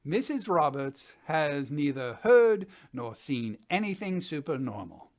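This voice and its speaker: A man in his sixties playing a sober, methodical gentleman scientist, reading a formal report deliberately as a dramatic piece. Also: on the high side, big pitch swings. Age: 60s. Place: indoors, small study.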